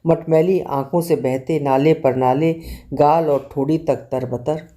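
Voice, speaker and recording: A woman's voice: low voice, steady tone, measured pace, warm tone. A woman reading a literary short story aloud, narrating expressively and acting out the dialogue. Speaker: story reader.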